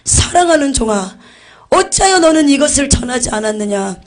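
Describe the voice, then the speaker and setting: A woman voicing Jesus speaking from his throne, proclaiming slowly and loudly in a high voice within her testimony. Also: very animated. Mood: stern rebuking. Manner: slow, loud, high proclaiming voice. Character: Jesus speaking from a throne, male, exalted and commanding. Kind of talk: acted quote within a testimony.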